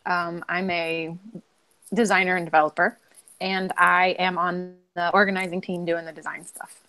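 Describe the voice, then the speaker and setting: Woman guest, lowish voice, brief, a bit hesitant. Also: flat delivery, normal speed, pushed and bright, low-quality recording. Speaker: guest, designer. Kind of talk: casual panel chat.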